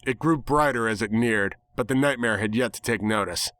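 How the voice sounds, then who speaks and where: A man's voice: medium pitch, fairly quick, fairly bright tone. A man giving a dramatic scripted reading of a story as its narrator.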